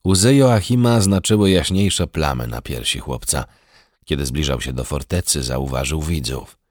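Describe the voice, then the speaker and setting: A man narrating a historical novel as an audiobook, in a measured, steady, dramatic storytelling manner. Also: very deep voice, dry recording, clean studio sound.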